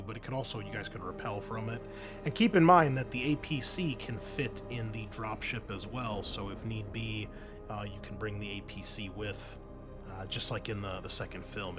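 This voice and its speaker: A man talking casually as game master, explaining options to players in a hesitant, explanatory way. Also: on the low side. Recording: background music behind the voice.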